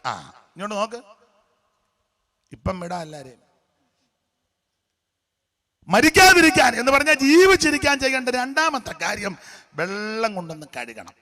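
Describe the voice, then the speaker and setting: High, bright-voiced animated male pastor. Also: normal speed, pauses often. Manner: colloquial, repeats each verse after the reader; animated, talks directly to listeners. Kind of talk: lively preaching sermon.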